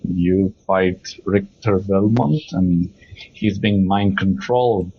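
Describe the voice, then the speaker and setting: Low, husky man on dull lo-fi audio. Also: fairly even intonation, slow, no room sound. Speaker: podcast panelist discussing video games. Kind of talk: casual chat. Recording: dull, lo-fi dated podcast audio.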